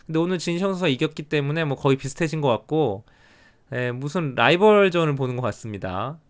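A middle-aged man gives live commentary on a Go game in a smooth, resonant voice. He drops to a low murmur to count points, then comes back louder with quick, animated reactions. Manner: counts territory under his breath, then exclaims at turns.

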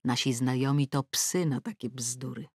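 A woman reading an audiobook voices a polite male secret police officer in a hushed, soothing whisper. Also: very deep voice, fairly even intonation, moderate pace, breathy edge, no room sound, clean studio sound, heavily acted. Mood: reassuring.

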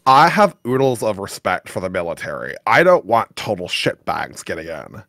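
Gravelly man reading chat logs mockingly. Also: sing-song, normal speed, fairly bright tone, no room sound, studio quality. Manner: swings into shrill mocking voices, laughing. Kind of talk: comedic reading and commentary.

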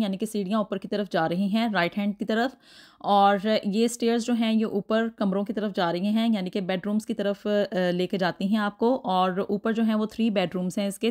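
A woman narrating a house tour as a voice-over. She explains each room at length, pausing often on "uh" and restarting words. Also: mid-range voice, a little mellow. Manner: explanatory, repeats herself, many hesitations. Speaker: vlogger giving a house tour.

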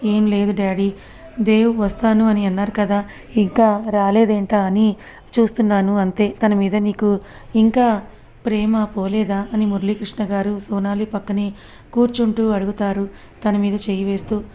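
A woman's voice: medium pitch, little pitch movement, moderate pace, warm tone, a little hiss or hum. A woman reading a serialized romance story aloud, voicing every character in her own plain voice. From Telugu-speaking India.

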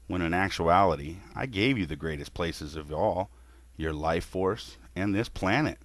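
A man voicing a weary creator god in a scripted monologue, lecturing humanity in a scornful, measured way. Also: deep voice, no room sound.

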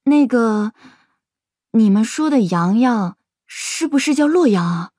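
A woman's voice: on the high side, lively intonation, slow, warm tone, slightly rough, no echo, clean studio sound, full character voice. A woman playing a candid, observant teenage shopgirl in an audio drama. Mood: friendly, curious. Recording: music behind the voice.

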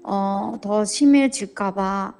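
A woman in her forties, a church member telling her family troubles in a counseling interview, talking slowly and hesitantly. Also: mid-range voice, faint music behind. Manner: slow, hesitant, soft-spoken.

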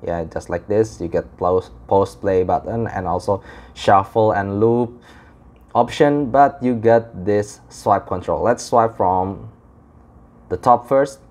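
A young man from Indonesia with an Indonesian accent gives a casual, unscripted product review in halting, explanatory English. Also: lowish voice, darkish tone. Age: young adult. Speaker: audio gear reviewer.

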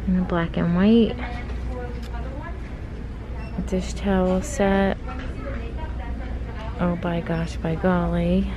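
A woman vlogger narrating a shop-with-me video in a store, calmly listing items and their prices. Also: fairly low pitch. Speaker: lifestyle vlogger. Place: large retail store, indoors. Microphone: handheld phone camera. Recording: noisy store ambience. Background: store ambience.

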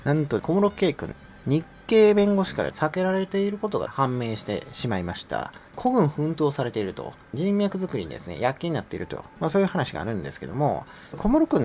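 A man's voice: mid-range voice, vocal fry, a little mellow, a little hiss or hum. A middle-aged man giving sarcastic, mocking commentary in a casual, conversational way.

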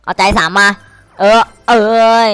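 A man giving excited, crude commentary while streaming a slot game, cursing and pleading at the screen. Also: measured pace, dry recording.

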